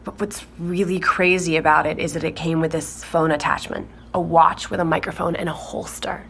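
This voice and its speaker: An actress playing a woman who recounts her discovery in halting, natural speech in an audio drama. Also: low voice, fairly even intonation, vocal fry, fairly bright tone. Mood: animated, candid. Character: shaken woman recounting her grandfather's secret tapes. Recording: faint background noise.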